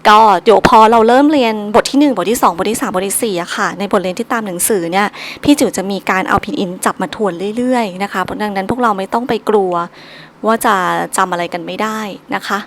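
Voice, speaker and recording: A woman's voice: medium pitch, fast talker, slight background noise. A woman teaching a solo recorded language lesson, patiently drilling each syllable three times over.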